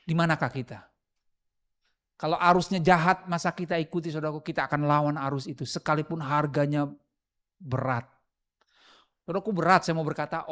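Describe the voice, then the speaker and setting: Delivering a sermon, this male pastor speaks with a slightly high voice, swinging from loud emphasis to quiet asides and frequently posing rhetorical questions to his congregation.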